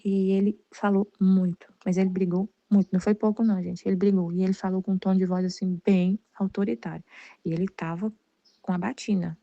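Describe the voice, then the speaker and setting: A woman's voice: mid-range voice, flat delivery, a little fast, no room sound. Rambling Brazilian woman, dull lo-fi sound. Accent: Brazilian Portuguese. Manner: rambling, many restarts and repeated words. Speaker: Catholic study group leader. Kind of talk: casual personal testimony.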